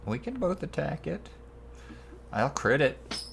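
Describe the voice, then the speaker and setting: A man's voice: a little high, big pitch swings, slow pace, vocal fry, a bit bright. A man playing a tabletop role-playing game, talking casually about his moves and rolls. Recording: faint background noise.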